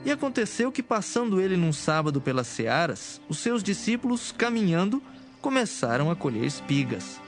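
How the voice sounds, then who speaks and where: A man's voice: high-pitched, sing-song, normal speed, faint music behind. A man narrating a dramatized audio Bible in a solemn, formal storytelling style.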